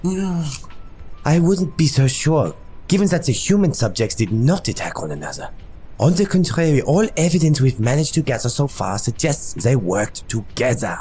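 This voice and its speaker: An actress playing a cool, calculating senior researcher with measured, formal delivery in an audio drama. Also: female voice, extremely low pitch, big pitch swings, warm tone, slight background noise. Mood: intrigued, calculating.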